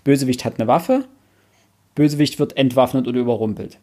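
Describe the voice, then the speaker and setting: A man's voice: medium pitch, brisk, warm tone. A man talking casually about a book as a podcast co-host, explaining and listing examples.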